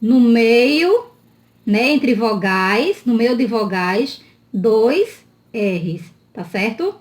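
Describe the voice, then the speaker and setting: A woman teaching a children's spelling lesson in a slow, drawn-out, sing-song voice, often checking in with her listeners. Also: on the high side, big pitch swings.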